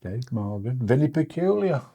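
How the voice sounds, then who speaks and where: Man, raspy and creaky, animated intonation, bantering interviewer. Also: medium pitch, normal speed. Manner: jokey, bantering. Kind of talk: casual chat interview.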